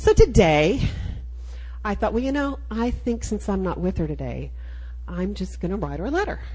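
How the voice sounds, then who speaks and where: Speaking with an American accent, a woman moves at a moderate pace and takes long, frequent pauses. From Texas. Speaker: church speaker giving testimony. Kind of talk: testimony.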